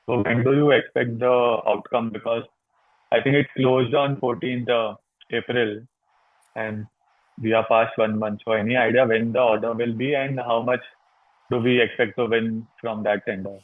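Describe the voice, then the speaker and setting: A man's voice: mid-range voice, level tone, normal speed, no echo. A man with an Indian accent on a phone call, asking probing questions as an analyst in a somewhat hesitant way. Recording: tinny narrow phone line.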